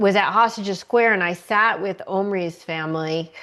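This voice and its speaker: A woman with a Californian accent, a bright, sharp tone, a medium pitch and a fairly slow pace. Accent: General American, Californian. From Los Angeles, US. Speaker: podcast host, yoga teacher. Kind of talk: interview conversation. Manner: halting, repeats words.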